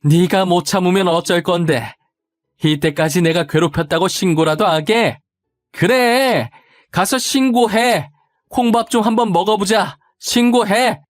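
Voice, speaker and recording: Brief: man doing a shrill older woman, a cruel mother-in-law, yelling taunts, voice pushed high, dry close sound. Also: a little slow, no room sound, faint music behind. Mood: taunting. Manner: scolding and taunting.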